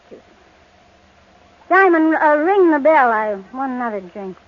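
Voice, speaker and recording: An actress playing a high-strung, drunken jilted young woman in an old-time radio drama, taunting and melodramatic. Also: animated, normal speed. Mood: drunken, demanding. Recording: tinny, noisy old radio recording.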